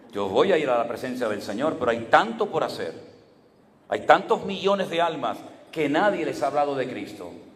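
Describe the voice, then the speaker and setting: The voice makes very wide pitch swings. Audible room echo and noticeable background noise fill the recording. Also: man, fairly high pitch for a man, moderate pace. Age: 60s. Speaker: pastor. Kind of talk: sermon.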